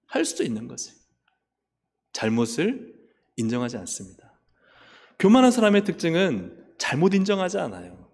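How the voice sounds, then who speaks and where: A man with a Busan accent preaching a sermon in a church. His voice sits somewhat high and moves in wide, animated swings as he questions his congregation. The sound carries a long echo from the sanctuary. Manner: asks the congregation questions and acts out voices of Bible figures. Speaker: pastor. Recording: echoey church hall.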